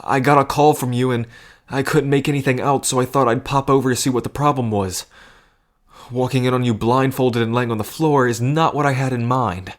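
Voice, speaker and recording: A man's voice: mid-range voice, steady tone, brisk, lightly acted. A man acting a concerned, protective friend in an audio drama, with a casual, hesitant manner. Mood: reassuring, startled.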